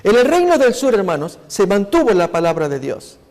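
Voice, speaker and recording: A man's voice: high voice, sing-song, fairly quick, darkish tone. A man pastor preaching a sermon over slides, earnestly addressing his congregation. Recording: long hall reverb.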